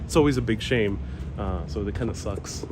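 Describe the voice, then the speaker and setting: A man from Puerto Rico raised in New York, with a Queens Hispanic accent and Spanish as his first language, hosting a relaxed live walking tour and chatting with viewers. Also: on the low side, normal speed. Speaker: walking tour livestream host. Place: outdoors on a town street with passing traffic. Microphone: phone-mounted mic while walking. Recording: noisy outdoor street recording.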